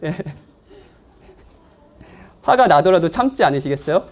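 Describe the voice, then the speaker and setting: A male pastor delivers a sermon in church, talking to his congregation as if in conversation. His voice rises and falls with animated, expressive swings, and he teases his listeners lightly as he goes. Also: fairly high pitch, slow. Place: church, afternoon service.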